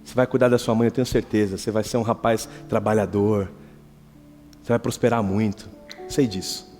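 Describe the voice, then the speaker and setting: A man voicing a calm, kindly old man who speaks slowly and softly. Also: fairly low pitch, close to an everyday voice. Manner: slow, gentle, soft. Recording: reverberant church hall, faint guitar.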